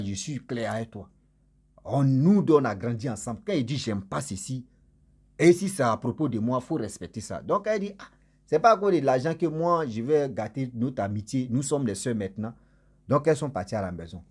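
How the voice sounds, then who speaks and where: A man telling a mystical story casually, acting out the characters' dialogue. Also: slightly rough. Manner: animated, acts out dialogue with raised pitch.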